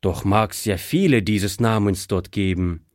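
A man's voice: lowish voice, unhurried, a little mellow, no room sound, clean studio sound, lightly acted. A man voicing a young German prisoner of war who speaks politely and thoughtfully. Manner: polite, apologetic.

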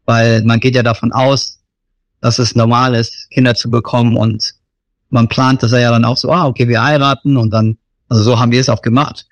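A man's voice: medium pitch, little pitch movement, normal speed, dry recording. A man in his thirties, born in Germany, answering interview questions in a hesitant, casual way with many fillers. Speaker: missionary interview guest.

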